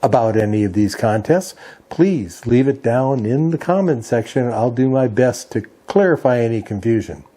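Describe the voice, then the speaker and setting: A man's voice: medium pitch, lively intonation, normal speed, dark tone. A man hosting an explanatory hobby video, methodically going through details item by item as if from notes. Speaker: amateur radio video host.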